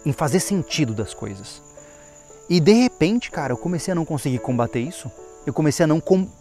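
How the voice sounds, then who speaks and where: A man with a somewhat high voice tells his conversion story in a casual, rambling way. He stops and restarts as he thinks aloud, earnest and emotional. Crickets chirp outdoors, and soft music plays underneath. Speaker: testimony speaker. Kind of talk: personal testimony, casual storytelling. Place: outdoors, insects and a plane audible.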